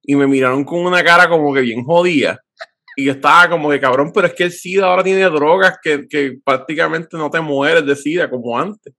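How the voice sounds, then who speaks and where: A man's voice: fairly high pitch, a little fast, bright, forceful tone. A young Puerto Rican man hosting a podcast, rambling in crude, slang-heavy chat full of swearing. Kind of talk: raunchy casual chat.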